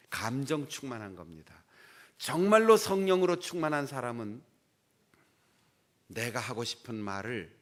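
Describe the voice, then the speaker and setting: Expressive middle-aged male pastor preaching. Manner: expressive preaching, swinging from loud emphasis to low, hushed asides; folksy, acts out dialect quotes for humor. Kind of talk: sermon.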